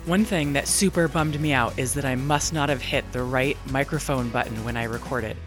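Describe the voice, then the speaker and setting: A woman's voice: very deep voice, moderate pace, faint music behind. A woman podcast host speaks in a conversational interview style. Her voice comes through a laptop's internal mic, giving it a tinny, metallic edge. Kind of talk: podcast introduction and interview chat. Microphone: laptop's internal microphone. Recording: tinny built-in laptop microphone.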